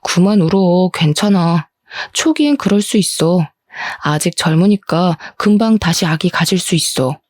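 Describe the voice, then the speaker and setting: Woman voicing a soft-spoken comforting husband. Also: fairly low pitch, lively intonation, a little slow, no room sound, studio quality. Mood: soothing. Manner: soft, soothing. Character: gentle young husband comforting his wife.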